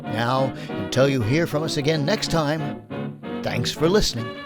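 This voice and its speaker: A man's voice: mid-range voice, measured pace. A man hosting, giving an upbeat scripted sign-off for an audio drama show. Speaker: host, producer and director. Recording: brassy music behind voice.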